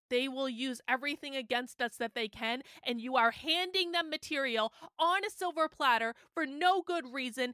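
A woman's raised, projected voice, high-pitched with a bright, sharp tone and ordinary pitch variation, dry and close with no echo in a very clean recording with a silent background. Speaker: political podcast host. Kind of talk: angry rant scolding fellow conservatives. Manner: fiery, exasperated and accusatory; sarcastic, repeatedly hammering rhetorical questions.

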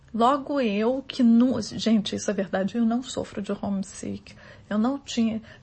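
A woman's fairly high, somewhat breathy voice at a fairly slow pace. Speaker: podcaster. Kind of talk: personal monologue.

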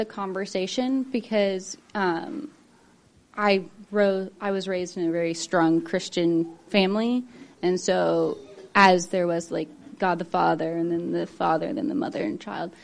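A woman speaks at a medium pitch and a moderate pace. She has an ordinary speaking voice. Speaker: churchgoer, wife. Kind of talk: casual discussion. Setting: church with audience.

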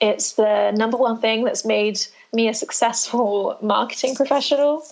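Speaking at a moderate pace in a British RP accent, a woman has a fairly high pitch with ordinary variation. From southern England. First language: Portuguese. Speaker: marketing and brand consultant. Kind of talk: casual chat.

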